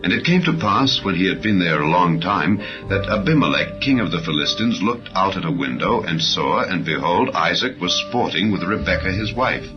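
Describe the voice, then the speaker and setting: Deep-voiced man solemnly narrating scripture. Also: lively intonation, normal speed, hardly any pauses. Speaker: audiobook narrator. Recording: slightly dull audio under clear music. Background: background music.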